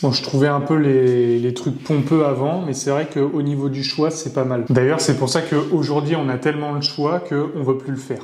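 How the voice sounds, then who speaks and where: A man's fairly high, monotone, flat voice at a moderate pace, with hardly any pauses and audible room echo. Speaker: speed-reading coach and YouTuber. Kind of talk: reaction video commentary. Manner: hesitant, many fillers.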